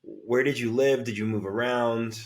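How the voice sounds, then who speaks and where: A man hosting a podcast, reading a scripted intro and asking questions in a measured, courteous way. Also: medium pitch, steady tone. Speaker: podcast host.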